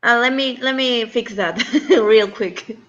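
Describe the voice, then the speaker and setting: A woman's voice: a little high, takes it slowly. A woman from Peru with a Peruvian accent, a native Spanish speaker, chatting casually as a caller on a video call, laughing often and sounding nervous. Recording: dull video call audio.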